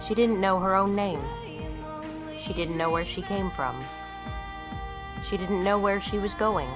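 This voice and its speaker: An actress playing an amnesiac woman in an audio drama, narrating slowly and quietly. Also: medium pitch, over music, lightly acted. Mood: somber. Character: amnesiac woman with no past, guarded. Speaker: narrator and lead character.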